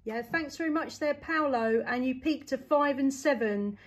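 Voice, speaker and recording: High-pitched woman. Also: moderate pace, slight background noise. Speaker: amateur CB radio operator. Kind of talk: radio contact chat with signal reports.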